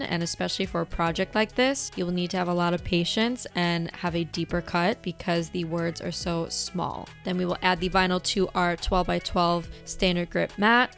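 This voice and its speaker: A young woman with a slightly hoarse voice calmly explaining a craft project step by step in a tutorial voice-over. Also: fairly low pitch. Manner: calm, instructive, methodical. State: slightly hoarse, losing her voice. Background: faint background music.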